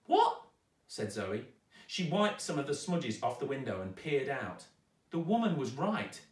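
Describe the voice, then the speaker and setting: A man narrating a children's story aloud with dramatic, expressive delivery, recorded in a roomy space at some distance. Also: mid-range voice, a little slow. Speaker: storyteller, actor reading aloud. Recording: roomy echo, distant microphone.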